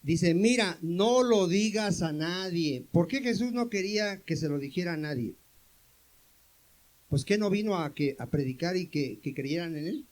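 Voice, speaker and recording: Male pastor, high voice, questions-and-answers sermon style with calls for amens. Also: animated, moderate pace, a little mellow, low-quality recording. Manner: questions the congregation and answers himself.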